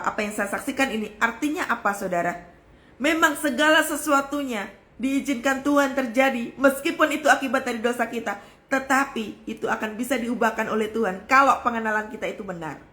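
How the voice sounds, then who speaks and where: A woman's voice: on the high side, a bit bright, echoey room. A woman pastor preaching a fervent sermon, often calling out to her listeners. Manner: fervent preaching, addresses listeners as brothers and sisters.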